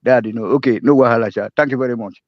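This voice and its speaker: A man with a Nigerian, Pidgin-inflected accent chats casually in a live audio room, rambling, laughing and repeating himself. His medium-pitched voice races along, and the dull lo-fi stream audio is dry with no echo.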